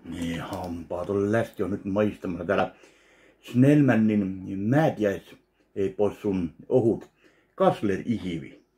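A man's voice: low voice, dark tone, slight background noise. A man in his thirties, recording a casual food tasting vlog at home, talking between bites and humming while he chews. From Finland. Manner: chewing and savoring aloud, mumbled asides while eating. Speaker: food review vlogger. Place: small home kitchen, indoors. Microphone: webcam at desk, framed close.

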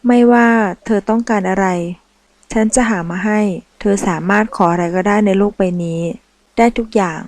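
A woman voicing a domineering young male mafia boss in an audiobook, speaking slowly and with command. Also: medium pitch, darkish tone, dry recording, lightly acted. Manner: slow, commanding and menacing.

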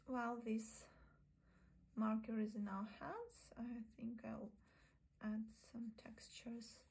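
A woman teaching a sketching lesson, narrating calmly and often half-whispering while she draws at a desk. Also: a little high, gravelly, slightly rough, low-quality recording. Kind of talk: soft-spoken drawing tutorial. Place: indoors at a desk, overhead camera on the sketchbook.

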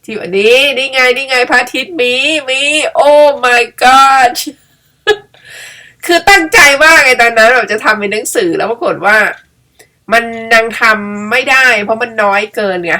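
A woman's voice: a little high, unhurried, sharp tone. A middle-aged woman chatting casually and playfully as she tells a story of her own, laughing at herself. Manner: chatty, self-mocking, laughs often. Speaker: storyteller and vlogger. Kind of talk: casual storytelling while editing pictures.

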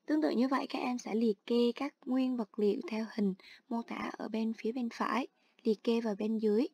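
A woman teacher calmly explaining an online English exercise step by step. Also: fairly high pitch, fairly quick, vocal fry, breathy edge, no echo. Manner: steady instructional, explains each step. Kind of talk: online lesson narration.

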